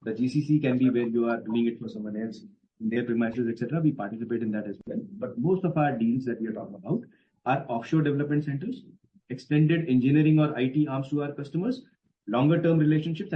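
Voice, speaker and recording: A man's voice: medium pitch, quick pace. Indian executive man, dull call audio. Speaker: company executive on an earnings call. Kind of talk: spontaneous explanatory answers to analysts. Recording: dull, band-limited conference call audio.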